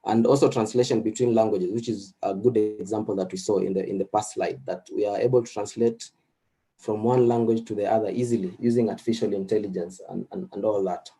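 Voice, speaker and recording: Unhurried man lecturing, low mellow voice. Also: steady tone. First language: Swahili. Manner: unhurried, with frequent fillers and restarts. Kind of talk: recorded lecture with slides.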